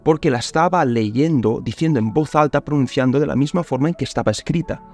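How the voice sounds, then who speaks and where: Calm man teaching. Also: mid-range voice, fairly quick, faint music behind. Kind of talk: explanatory teaching talk.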